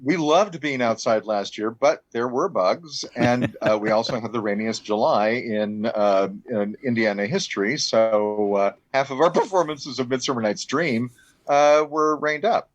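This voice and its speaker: A man's voice: mid-range voice, no room sound, highs cut off. A man talking casually as an interview guest, an artistic director of a theater.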